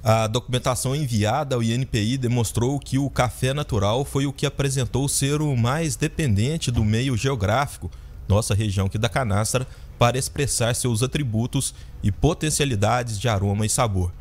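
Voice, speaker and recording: Male co-presenter, thirties, formal measured studio read, mid pitch. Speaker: radio news presenter. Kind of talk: read news report. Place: radio studio. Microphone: studio mic on a boom.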